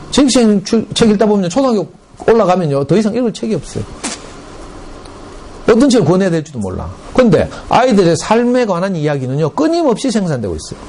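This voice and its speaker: A middle-aged man with a Gyeongsang Korean accent giving a parent education lecture in a school room, telling stories with lively, dialect-colored asides. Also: sits high, slight background noise. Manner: lively storytelling with dialect and acted quotes.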